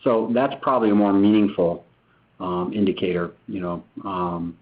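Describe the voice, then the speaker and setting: A man speaking as a company executive on a phone-line earnings call, explaining things in a measured, unscripted way. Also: low-pitched. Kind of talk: unscripted business answers. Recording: tinny, narrow phone line.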